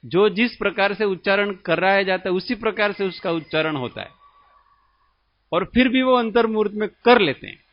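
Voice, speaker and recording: Man from India, spiritual teacher, religious discourse, high voice, dull lo-fi sound. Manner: slow, explanatory, asks the listeners questions.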